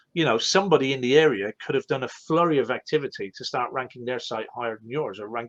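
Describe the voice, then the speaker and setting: Speech in an Irish accent comes at a very fast pace, the sound dry and close with no echo. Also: man, big swings in loudness. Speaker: marketing coach and show host. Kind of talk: live online Q&A discussion.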